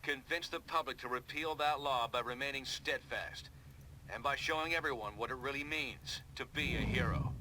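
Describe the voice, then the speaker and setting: Guy doing noble superhero commander in a game, mid pitch, earnest rallying talk, noisy background. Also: moderate pace, close to an everyday voice. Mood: earnest, resolute. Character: noble, steadfast male superhero resistance commander. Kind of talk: video game cutscene dialogue. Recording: steady noise behind the voice.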